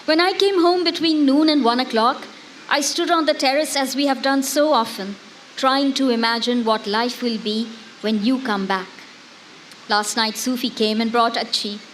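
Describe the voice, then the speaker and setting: Devoted, longing wife of a prisoner, played by a woman, higher-pitched, literary and expressive stage letter reading, faint noise behind. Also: normal speed, natural voice, rough recording. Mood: tender, wistful. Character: devoted, longing wife writing letters to her imprisoned husband. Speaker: dramatic reader. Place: outdoor garden festival stage. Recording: live outdoor festival, faint background noise.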